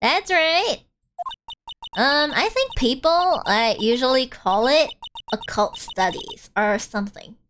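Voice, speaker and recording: A woman's voice: high voice, lively intonation, slow pace, a bit bright, a little hiss or hum, heavily acted. A woman voicing a bubbly, ditzy young sorority-type college student in a video game, with an airheaded Valley Girl accent. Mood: ditzy, casual.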